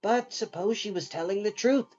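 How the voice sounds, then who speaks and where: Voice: medium pitch, normal speed, a little mellow, muffled recording, faint music behind, voice pushed up, close to an everyday voice. A storyteller voicing an anxious, stubborn elderly woman in a storybook, fretful and hesitant.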